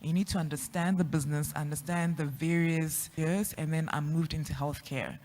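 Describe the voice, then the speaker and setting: Outgoing south african-accented woman on a panel, bubbly, laughs a lot, sound bouncing round a big hall. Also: low-pitched. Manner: extroverted, lively, quick to laugh. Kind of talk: panel talk about her journey. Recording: echoey hall.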